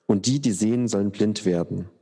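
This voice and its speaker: Brief: authoritative calm teacher, man reading, slow, echoing hall. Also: fairly low pitch, husky. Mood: solemn.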